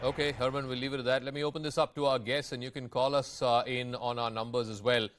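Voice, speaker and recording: A man's voice: medium pitch, flat delivery, fast talker, a bit bright, slight background noise. A man anchoring live news and moderating a debate, putting questions to reporters and guests.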